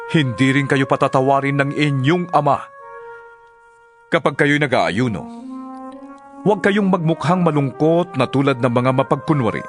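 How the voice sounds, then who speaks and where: A man with a Filipino accent playing a solemn, earnest religious teacher in a dramatized scripture reading, with measured, declamatory delivery. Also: mid-range voice, lightly acted. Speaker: voice actor.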